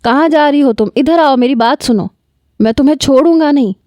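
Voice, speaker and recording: A woman's voice: high-pitched, darkish tone, no echo, voice pushed up, close to an everyday voice. A woman reading an audio story, voicing a once-proud young man who is now helpless and begs for water. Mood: angry. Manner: strained, pleading, then threatening.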